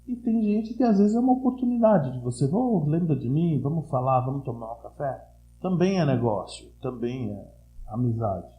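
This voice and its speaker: A man in his sixties from Brazil with an Italian-influenced São Paulo accent, chatting casually as an interview guest and telling stories in a slangy, animated way. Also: mid-range voice, normal speed, highs cut off. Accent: Italian-influenced São Paulo Portuguese. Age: 60s. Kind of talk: casual chat. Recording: roomy, echoey sound.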